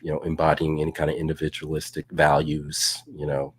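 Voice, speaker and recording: A man's voice: rumbling low, a little fast, husky, no echo. A man co-hosting a live show, talking casually with lots of fillers and jokes. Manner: relaxed, many fillers, jokey. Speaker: co-host. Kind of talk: casual live-stream discussion.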